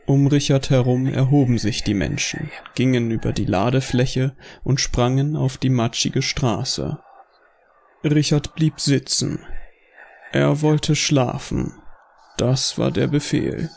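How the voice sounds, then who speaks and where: Gravelly man narrating a horror story. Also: mid-range voice, slow pace, a little mellow. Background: faint music.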